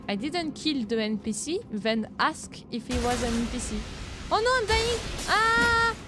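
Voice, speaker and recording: Over loud music, a young woman from France streams a game as a VTuber, talking in an expressive, unhurried way with her audience. Her French-accented chatter is playful, breaking into giggles and rising high when she objects to something.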